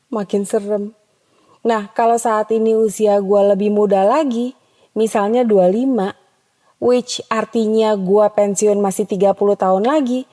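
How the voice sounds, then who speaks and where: A woman's voice: mid-range voice, mellow, big-room sound. A woman hosting a scripted podcast monologue in a chatty, teasing way, dropping in English slang. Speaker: podcast host.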